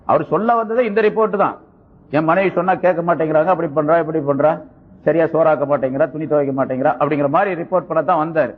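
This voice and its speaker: A male preacher giving a sermon with storytelling, dropping his voice to act out quoted speech, on a dull lo-fi tape. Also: breathy edge. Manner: acts out quoted dialogue in a lower voice. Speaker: Islamic preacher.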